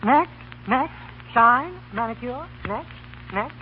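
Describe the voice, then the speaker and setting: A man's voice: very high voice, lively intonation, slow pace, full character voice. Sarcastic young american college guy, wisecracks, mock formal, tinny hissy 1930s radio comedy. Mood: mock-pompous. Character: wisecracking, skeptical young male college student. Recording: thin, noisy 1930s radio broadcast.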